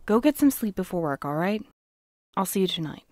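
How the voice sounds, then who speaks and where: A woman's voice: medium pitch, very animated, a little fast, darkish tone, close to an everyday voice. An actress playing an earnest, romantic, stubborn woman courier, emotionally open, in a naturalistic audio drama. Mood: gentle, curious.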